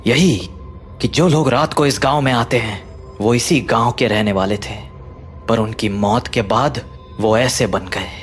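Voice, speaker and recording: A man's voice: mid-range voice, measured pace, soft background music, natural voice. A man playing a grave grieving father. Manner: solemn, explaining calmly. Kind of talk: audio drama acting.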